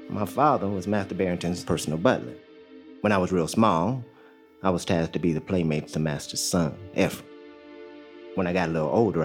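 An actor in an audio drama playing a young enslaved father who talks in a calm, plainspoken drawl. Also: low-pitched, lightly acted. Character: young enslaved male father, steady and hopeful.

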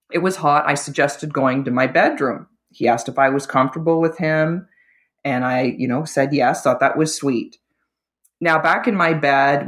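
A woman caller giving a candid, conversational personal account to an advice show host. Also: sits low.

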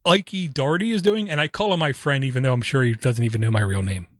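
A man from Ireland co-hosting a casual tech podcast, talking in animated, opinionated bursts with frequent fillers. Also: mid-range voice, fast talker, no echo. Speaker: podcast co-host.

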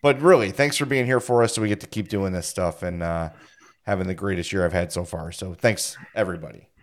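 A man's voice: low voice, brisk. Joking forty-something male podcast host. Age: 40s. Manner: jokey, self-deprecating, laughs often. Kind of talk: casual sports podcast chat.

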